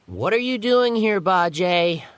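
A woman's voice: lowish voice, animated, unhurried. A woman voicing a proud, hot-tempered male monkey king in a storybook reading, speaking firmly. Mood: scornful.

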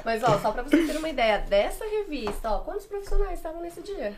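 A high, lively voiced woman laughs and jokes about herself as a guest on a podcast. Loud crowd chatter runs behind her. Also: quick pace. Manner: playful, laughing and self-mocking. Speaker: guest, magazine model. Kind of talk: casual podcast chat.

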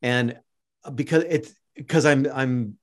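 A Canadian man hosts a podcast in relaxed conversation. He rambles, circles back on his own words and stumbles through restarts, yet keeps the tone upbeat and encouraging. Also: mid-range voice, slow pace. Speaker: podcast host. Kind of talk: casual interview chat.

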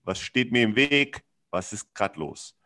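A man's voice: mid-range voice, lively intonation, a little slow, sharp tone. A man talking reflectively about his feelings in a conversation, searching for words with many fillers and restarts, earnest and frank, dropping blunt slang.

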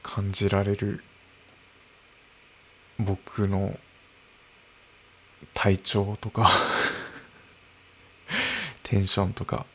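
A man in his early thirties talking alone into a microphone in his room, slow and musing, with soft laughs. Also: fairly low pitch, sing-song, slightly rough. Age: early 30s. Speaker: podcast host. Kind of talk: unscripted solo podcast talk. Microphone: podcast microphone.

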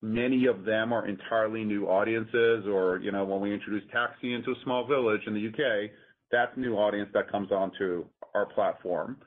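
A man speaking as a company executive, explaining things methodically and haltingly on an earnings call. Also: on the low side, fairly even intonation. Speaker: company executive answering analysts. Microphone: conference call line. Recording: muffled, narrow-band conference phone line.

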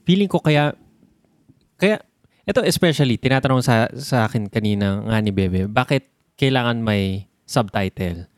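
Animated Filipino man chatting about films. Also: medium pitch, moderate pace, pauses often, no room sound, studio quality. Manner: animated, explains with examples and sound words. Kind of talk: casual chat about films.

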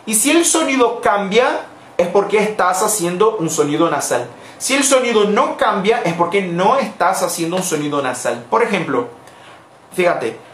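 A woman leads a live online language lesson, speaking at a middle pitch. She explains patiently and slowly, repeating each model word. Her voice carries the echo of a bare room, with faint noise underneath. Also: very animated. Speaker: Portuguese teacher for Spanish speakers.

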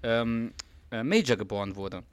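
Slightly hoarse man recapping an episode. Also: mid-range voice, lively intonation, moderate pace, no echo. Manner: retells scenes in detail, with many fillers and restarts. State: slightly hoarse, lost some voice. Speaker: podcast co-host recapping a sitcom episode. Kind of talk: casual chat.

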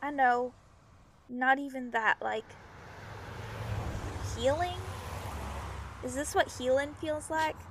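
A woman's voice: sits high, slow pace, long pauses, background noise. A woman playing a weary, protective young traveller in an audio drama, casual and blunt in delivery. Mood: vulnerable. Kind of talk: naturalistic audio drama acting.

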